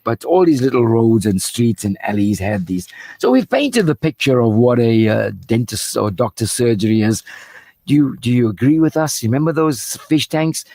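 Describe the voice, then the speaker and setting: A man's voice: mid-range voice, expressive, normal speed, mellow, no room sound. A man with a Durban Indian South African accent hosts a conversational radio show, reminiscing about local life.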